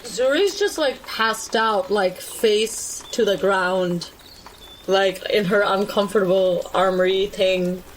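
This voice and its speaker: A woman improvises casually as a player in a tabletop role-playing game. Her voice sits at a medium pitch and her manner is informal and expressive, with slight noise in the background. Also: slow pace, low-quality recording. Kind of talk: casual improvised in-character storytelling.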